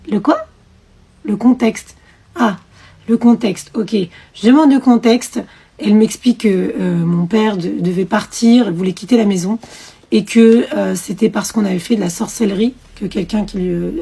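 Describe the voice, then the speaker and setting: A young woman tells her personal testimony with real emotion. Her voice is mellow and a little husky, and she acts out each remembered conversation. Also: mid-range voice. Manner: emotional, storytelling with fillers and quoted dialogue.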